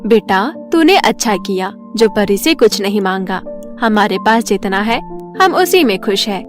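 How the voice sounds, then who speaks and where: A woman's voice: mid-range voice, lively intonation, a little slow, faint music behind, pitched below the performer's own voice, close to an everyday voice. Caring village mother voiced by a woman narrator. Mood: affectionate, approving. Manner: affectionate, motherly. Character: caring, contented village mother of grown son.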